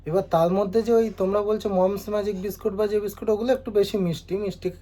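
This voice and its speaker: Young man, mellow voice, calm, explaining, casual home vlog. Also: high-pitched, fast. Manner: calm, explaining, reasoning with viewers. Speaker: vlogger, husband. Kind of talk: casual vlog talk replying to comments. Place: home indoors.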